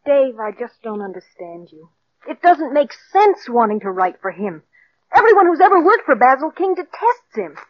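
An actress playing a worried, protective young wife who pleads insistently, in a 1940s radio drama. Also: female voice, high voice, sing-song, moderate pace. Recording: dull old radio recording.

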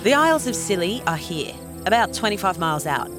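A woman's voice: medium pitch, big pitch swings, a little fast, loud music behind the voice, natural voice. A woman playing a cool, teasing, flirtatious adventurer in an audio drama, sly and self-assured. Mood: dry.

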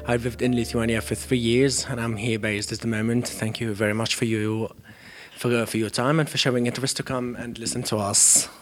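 A man from Syria, a guest telling a personal story in a halting, friendly way. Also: mid-range voice, flat delivery, a little hiss or hum.

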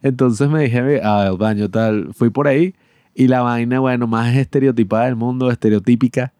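A young man chatting on a podcast. He tells his stories with energy and puts on the voices of the people in them. His voice is dark and mellow, recorded close with no room sound. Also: medium pitch, normal speed, no echo. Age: young adult. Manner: animated anecdotes, acting out quoted voices, laughs often. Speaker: podcast co-host. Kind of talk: casual storytelling chat.

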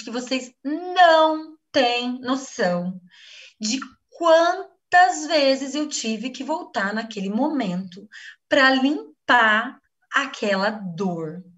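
A woman's voice: on the high side, a bit bright, distant mic. A Brazilian woman giving an earnest personal testimony in a live class, acting out the things she once said. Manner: earnest, acts out her own quoted speech.

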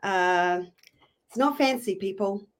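A woman in her forties from New Zealand with a New Zealand accent, a podcast guest chatting casually, quick to poke fun at herself and laugh. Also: mid-range voice. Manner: chatty and self-deprecating, laughs often. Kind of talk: casual interview chat.

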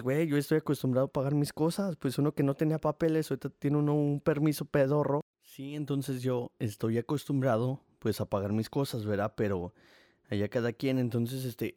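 A man's voice: medium pitch, dark tone, no room sound, studio quality. A young man with a Mexican accent hosting a podcast, rambling casually and cursing often. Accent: Mexican Spanish. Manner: slangy, rambling, frequent swearing. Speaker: podcast host. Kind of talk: casual monologue.

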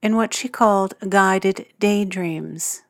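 A woman guiding a sleep meditation in a soothing, hushed, measured manner with long pauses between phrases. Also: mid-range voice, dry recording, studio quality. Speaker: meditation guide, podcast host. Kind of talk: guided sleep meditation narration. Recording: music under the voice. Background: soft guitar and piano music.

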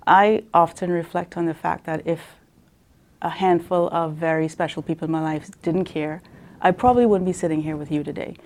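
A woman's voice: low-pitched, steady tone, moderate pace, a little mellow. A woman from Trinidad, a guest on an interview show, answering thoughtfully and earnestly, with frequent ums and small restarts as she gathers her thoughts. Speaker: guest, nonprofit CEO.

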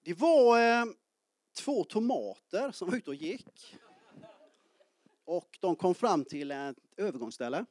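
A man's voice: sits high, long pauses, dry recording, studio quality. A man in his early forties preaching a sermon to a congregation, joking and calling out to the people in the pews. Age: 40s. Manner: lively, joking, calls out to the congregation. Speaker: pastor. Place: church.

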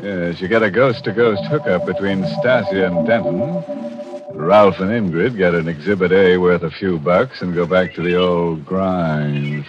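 Very deep, gleefully macabre American horror host. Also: male voice, unhurried, music in the background. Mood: sardonic glee. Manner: sardonic, theatrical, chuckling. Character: gleefully macabre male horror-show host cracking grim puns. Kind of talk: 1940s radio horror hosting. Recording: dull vintage radio recording.

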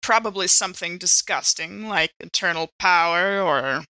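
Bright-voiced woman playing a tabletop game. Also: fairly low pitch, moderate pace, dry recording, poor audio. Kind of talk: in-character improvised tabletop roleplay.

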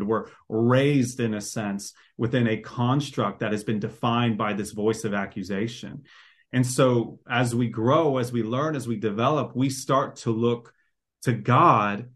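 A man who is a guest author on a podcast, explaining his ideas in an earnest, preacher-like way. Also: mid-range voice. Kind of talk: conversational podcast interview.

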